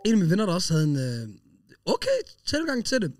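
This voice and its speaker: High-voiced man telling stories far off-mic. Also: dry recording, clean studio sound. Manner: animated anecdote telling, laughs often. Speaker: podcast co-host. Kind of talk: casual storytelling chat.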